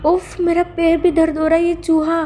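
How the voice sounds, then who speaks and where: A woman's voice: very high voice, level tone, moderate pace, warm tone, a little hiss or hum, pitched above the performer's own voice. Woman doing a clingy young man faking panic. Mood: panicky. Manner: whiny, panicky, pleading.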